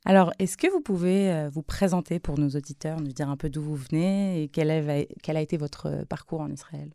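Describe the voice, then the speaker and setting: A woman hosting a radio interview, asking clear, measured questions. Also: low voice, warm tone, dry recording. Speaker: radio host.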